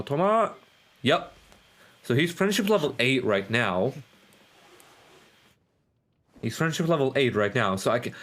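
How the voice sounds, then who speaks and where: A man doing casual live gameplay commentary, rambling, repeating himself and swearing offhand. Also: medium pitch. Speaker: game livestreamer.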